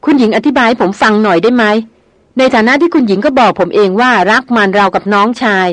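Hot-tempered hunter, voiced by a woman narrator, angry and sarcastic, raised and a bit higher, dry close sound. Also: animated, a little fast, dry recording, lightly acted. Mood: demanding. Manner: angry, sarcastic, nearly shouting. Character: gruff, hot-tempered male big-game hunter. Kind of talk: audiobook reading of a novel.

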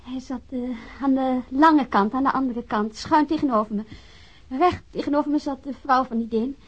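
An actress playing a guarded, evasive witness in a radio drama, speaking hesitantly and with cool politeness. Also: female voice, sits high, moderate pace. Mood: guarded, polite. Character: guarded, evasive female witness under police questioning. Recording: dull lo-fi radio drama recording.

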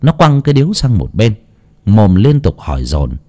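A man's voice: on the low side, wildly swooping pitch, moderate pace, warm tone. A man reading an audiobook story dramatically. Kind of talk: audiobook narration.

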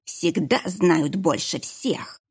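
A woman voicing a cruel, sinister monk who hisses his words slowly. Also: lowish voice, husky, heavily acted. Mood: menacing hiss. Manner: hissing, slow and drawn out. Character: sinister hooded male monk, menacing and cruel.

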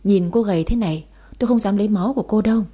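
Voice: medium pitch, dark tone, slightly rough, close to an everyday voice. A woman voicing a cautious hospital doctor who firmly refuses, in an audio story. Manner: firm, quick. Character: cautious hospital doctor, firm then relenting.

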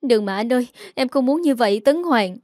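A woman's voice: on the high side, normal speed, darkish tone, no echo, clean studio sound, natural voice. A woman voicing a young wife who is crying and begging, in an audio story. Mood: pleading. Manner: sobbing, begging. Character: young woman, tearful and pleading.

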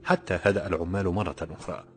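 A man narrating a novel in a steady, measured storytelling voice. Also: sits low. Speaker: audiobook narrator. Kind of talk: scripted narration.

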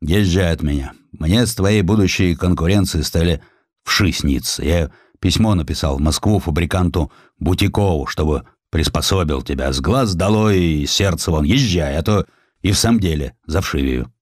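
A man voicing a ferocious, miserly provincial merchant with gruff, scolding, rustic speech in an audiobook story. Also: deep voice, moderate pace, dry recording, studio quality. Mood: surly.

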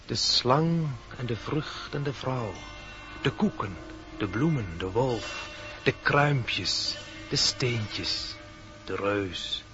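A man's voice: mid-range voice, lively intonation, extremely slow, a bit bright, soft background music. A man voicing a wise, solemn deer in a radio play, speaking in cryptic, poetic incantations. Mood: solemn, foreboding. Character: wise, solemn male deer, oracle of old dreams. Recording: dull vintage radio recording.

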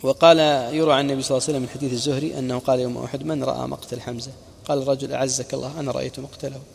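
A man's voice: mid-range voice, flat delivery, rapid-fire, gravelly, slightly rough, in a large hall. A man preacher narrating a religious history lesson, recounting reports and quoted sayings with brief explaining asides.

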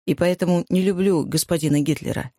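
A woman reading the part of a lonely, courteous German-born eye surgeon, speaking with a German accent in a measured, wry way. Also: fairly low pitch, steady tone, dark tone, no echo, studio quality, lightly acted. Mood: candid.

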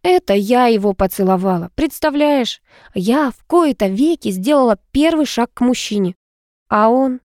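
Sharp, sulky young student girl, read by a woman, dry close read. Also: fairly high pitch, lively intonation, moderate pace, no room sound, pitched above the performer's own voice, close to an everyday voice. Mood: dramatic. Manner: sharp, curt.

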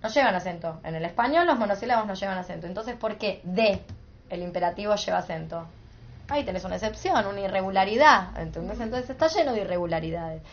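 An Argentine woman leads a casual philosophy class, pressing her points and checking in with the room. Her voice sits at an ordinary pitch, captured on a muffled, low-fidelity recording. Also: animated, quick pace, a little hiss or hum. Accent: Rioplatense Spanish. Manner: emphatic, rhetorical, asks "entendés?" often. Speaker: workshop teacher.

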